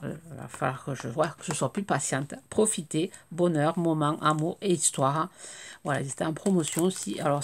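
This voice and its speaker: A French woman with a slightly hoarse voice, chatting casually and hesitantly about her crafting purchases, full of fillers and restarts. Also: sits low. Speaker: crafting YouTuber. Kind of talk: casual haul show-and-tell.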